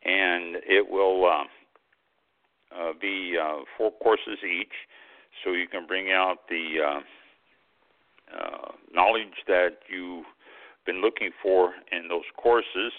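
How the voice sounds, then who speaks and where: Deep-voiced guy phoning in on a landline, tinny phone sound, lots of uhs while he reads. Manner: halting, many "uh" fillers while reading. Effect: heard over a landline phone. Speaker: winemaker hosting a wine radio talk show. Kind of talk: casual radio talk, reading announcements.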